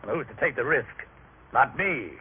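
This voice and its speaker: An actor playing a suspicious, money-minded innkeeper in old radio drama style, sly and grudging. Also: male voice, mid-range voice, expressive, normal speed, natural voice. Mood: grasping, sly. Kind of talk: old-time religious radio drama acting. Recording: tinny, noisy vintage radio recording.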